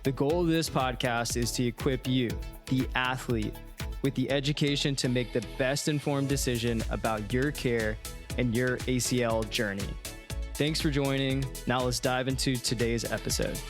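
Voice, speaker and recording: A man reads the opening of his podcast from a script in a measured voice of middle pitch. Clear guitar music plays behind him. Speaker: podcast host. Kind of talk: scripted show intro.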